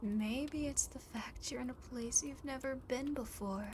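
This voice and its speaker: A woman voicing a lonely, possessive female demon in an ASMR roleplay, softly, often whispering, with teasing, smug condescension, on an amateur home mic. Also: sits high, a little slow. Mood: mocking amusement. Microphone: close home microphone, not binaural. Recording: noisy amateur home microphone recording.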